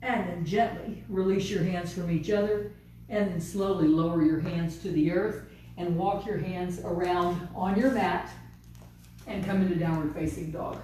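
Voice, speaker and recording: A woman teaching a yoga class, giving calm, unhurried step-by-step cues. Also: lowish voice, a little hiss or hum. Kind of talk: guided yoga class instruction. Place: yoga studio. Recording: distant, very echoey studio room.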